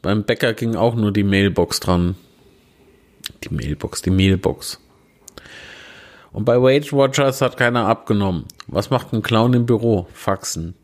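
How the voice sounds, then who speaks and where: Man, low voice, dry pun reading, self-mocking asides, handheld recorder on a table tripod. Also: moderate pace, hardly any pauses. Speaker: podcaster reading out puns. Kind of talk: casual joke reading. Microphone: handheld recorder on a small tabletop tripod.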